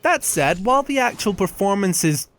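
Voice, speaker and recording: Male game reviewer. Higher-set, very animated voice, blunt casual delivery. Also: moderate pace, soft background music. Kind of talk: casual scripted review narration.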